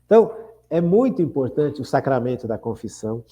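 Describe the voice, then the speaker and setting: A man's voice: medium pitch, big pitch swings, a little fast, warm tone. A man in his sixties with a Brazilian Portuguese accent, hosting an earnest, reflective spiritual radio talk and often turning to ask his listeners questions. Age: 60s. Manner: earnest, repeats phrases, asks listeners questions. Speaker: radio host.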